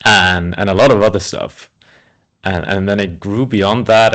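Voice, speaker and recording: Low-voiced man from Switzerland, interview guest. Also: a bit bright. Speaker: interview guest, speakers' agent. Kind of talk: conversational interview.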